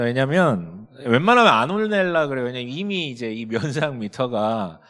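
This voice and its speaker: A man's voice: medium pitch, a bit bright. A man in his thirties, a pastor preaching a sermon, telling a story about his son and acting out their dialogue. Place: church sanctuary.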